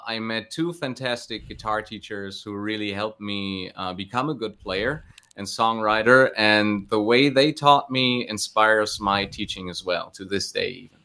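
A man speaks as an interview guest in a smooth, bright voice. He phrases his answers casually and thoughtfully, often hesitating as he goes. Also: medium pitch. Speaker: interview guest, guitar teacher.

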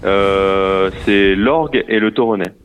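A man's voice: low voice, slow, slight background noise. A man in his thirties from Normandy, a winery manager speaking over the phone and hesitating with many fillers and restarts. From Normandy, France. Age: 30s. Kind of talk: phone interview. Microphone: telephone. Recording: muffled phone line.

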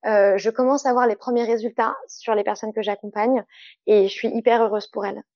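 A woman in a fairly high voice. She explains her points emphatically, in the conversational way of a podcast guest. The sound is close and dry, slightly muffled and lo-fi. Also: fairly even intonation, a little fast, a little mellow, no room sound. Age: 30s. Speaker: interviewed guest, clinical sexologist.

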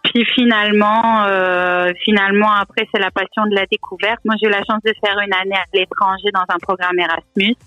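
Une femme d'une trentaine d'années, originaire du nord de la France, avec un léger accent canadien, qui parle en invitée d'un podcast sur un ton bavard, ponctué d'hésitations. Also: female voice, medium pitch, steady tone, fairly quick, hardly any pauses, muffled recording, soft background music. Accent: French with a slight Canadian tinge. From northern France. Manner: chatty, many hesitations. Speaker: guest. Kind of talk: remote podcast interview.

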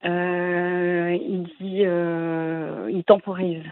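A woman's voice: fairly low pitch, flat delivery, very slow, dry recording. A woman calling in to a psychic show. She speaks hesitantly, with many fillers and short agreements. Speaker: caller. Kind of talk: phone call to a call-in show. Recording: tinny phone line.

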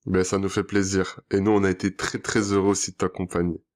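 A man's voice: deep voice, little pitch movement, a little fast, a little mellow. A man hosting a coaching podcast, encouraging and affirming his guest and audience. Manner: encouraging and affirming, many back-channel hums. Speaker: relationship coach and podcast host. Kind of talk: podcast interview and outro.

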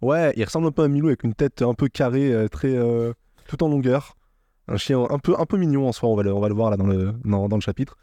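A podcast co-host with a warm, medium-pitched voice talks fast on a dry recording, chatting casually about a manga. He rambles through its details with many restarts and fillers.

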